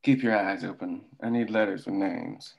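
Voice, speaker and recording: A man's voice: low voice, steady tone, moderate pace, creaky, lo-fi sound. A man reading the part of a cold, curt boss giving orders in a drama table read. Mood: stern. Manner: curt, commanding. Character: cold, commanding company boss questioning an informant.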